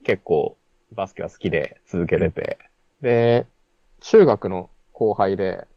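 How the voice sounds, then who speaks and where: A man's voice: low voice, measured pace, creaky, no echo. A man telling a personal story in casual chat, with many fillers and restarts. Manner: rambling storytelling with frequent fillers. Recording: dull lo-fi sound.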